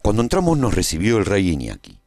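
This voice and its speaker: A man playing a post-apocalyptic traveller who narrates a scripted radio drama in a measured, solemn way. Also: on the low side, wildly swooping pitch, creaky, darkish tone, no echo, clean studio sound, full character voice. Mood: grave storytelling. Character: male post-apocalyptic traveller recounting a war story gravely.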